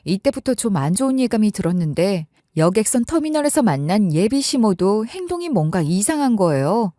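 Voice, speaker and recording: A woman's voice: mid-range voice, big pitch swings, a little fast, warm tone, no room sound, studio quality. A young woman telling a first-person story in a chatty, conversational way.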